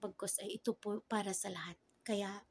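A middle-aged woman with a Filipino accent and a husky voice, speaking earnestly as she leads Christian devotion for online viewers. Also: mid-range voice, fairly even intonation, moderate pace, no room sound. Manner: earnest, pleading, repeatedly addressing God. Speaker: online Christian prayer leader. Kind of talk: devotional prayer and exhortation to viewers. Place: small indoor room. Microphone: phone at arm's length.

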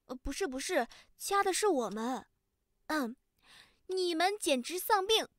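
A woman's voice: extremely high pitch, expressive, unhurried, dry recording, studio quality. A woman playing a teasing, playful young little sister in an audio drama. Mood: teasing, amused. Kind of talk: fan audio drama acting.

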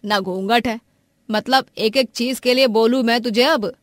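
A woman playing a strict, grumpy middle-aged mother-in-law in an animated family story, with a commanding manner. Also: on the high side, moderate pace, no room sound, studio quality, close to an everyday voice. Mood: scolding. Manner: scolding, commanding.

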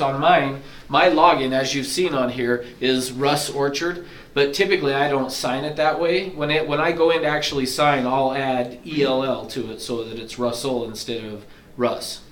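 Guy trainer going over software in a classroom, kinda hoarse, echoey far-off mic. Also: mid-range voice. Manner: explanatory, casual, self-deprecating. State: losing his voice, throat-clearing. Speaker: real estate agent trainer. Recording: echoey room from far off, faint hiss.

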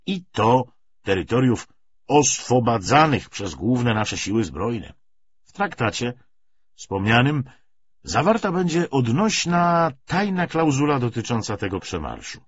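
A man's voice: mid-range voice, sing-song, measured pace, husky, pitched above the performer's own voice. A man voicing a pompous communist commissar delivering a declamatory political lecture in an audiobook novel. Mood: instructive, calculating. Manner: declamatory, rhetorical, emphatic. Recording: slightly dull, lo-fi audiobook recording.

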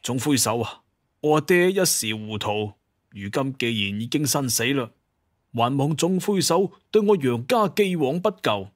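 A man's voice: medium pitch, expressive, normal speed, no room sound, studio quality, close to an everyday voice. A man playing a proud, bitter hunter clan heir in an audio drama, with an emphatic manner. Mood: ashamed, pleading.

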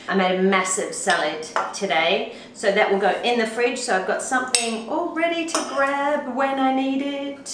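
A woman in her forties with a New Zealand accent, a lifestyle vlogger, chats to the camera while cooking in her home kitchen. Her medium-pitched voice sounds tired yet upbeat and chatty, and she laughs often. The room is echoey and the background noisy.

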